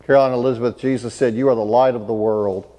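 A man leads a church service as its pastor, with an ordinary mid-range voice. His prayers and liturgy come in measured, ceremonial phrases. Long cathedral-like reverb trails his words through a large sanctuary. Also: medium pitch, steady tone, mellow. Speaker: pastor leading a baptism.

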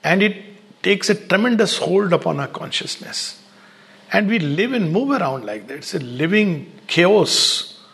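Man, gravelly and a touch high-pitched, steady reflective spiritual speaker, measured pauses. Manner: unhurried, pausing often in short phrases.

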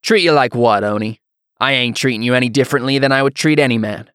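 A man voicing a belligerent, hotheaded young laborer in a fantasy audiobook, mocking and blustering in rough colloquial speech. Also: mid-range voice, quick pace, a bit bright, no echo, clean studio sound, close to an everyday voice. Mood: needling.

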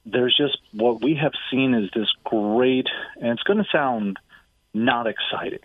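A man's voice: medium pitch, unhurried, no echo. A middle-aged man, a real estate investor, answering interview questions energetically and often tossing in "right?". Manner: energetic, fluent, fond of "right?" and "like". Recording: tinny phone line, dry.

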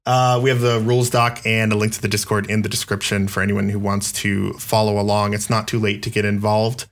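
A man hosts a laid-back podcast and runs through a list of community news items. His delivery is relaxed and conversational, with plenty of ums and uhs between points. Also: lowish voice, fairly quick. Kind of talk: casual chat.

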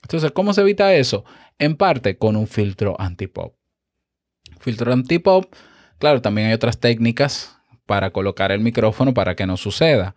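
Male podcast instructor, mid pitch, animated explainer, dead-dry close-mic sound. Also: moderate pace, dry recording. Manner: animated, explanatory, checks in with the listener often. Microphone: close studio microphone with compressor.

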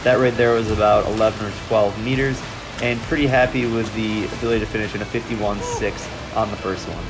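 A man's voice: on the low side, steady tone, a little fast, over music, poor audio. A man speaking as a swim coach, giving voice-over commentary that reviews his own swimming.

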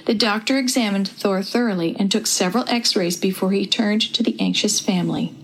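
A woman narrating a dramatized children's story in an even, warm storytelling manner. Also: mid-range voice, fairly quick, rough recording.

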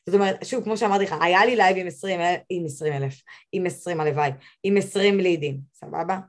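A young woman, a guest on a podcast, talking in a casual and emphatic way, her voice rising high when she gives advice. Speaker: podcast guest, social media expert.

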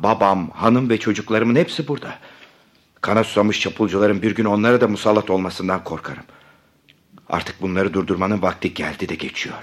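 An earnest former guard voiced by a man in an audio drama. He talks respectfully in a lowish voice, with a steady, sincere manner. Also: lightly acted. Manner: deferential, earnest.

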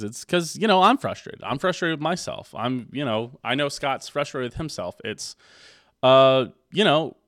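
A man's voice: medium pitch, a bit bright, no echo. Man rambling on a podcast, dry sound. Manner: rambling, restarts often, encouraging. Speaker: podcast co-host. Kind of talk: candid podcast talk.

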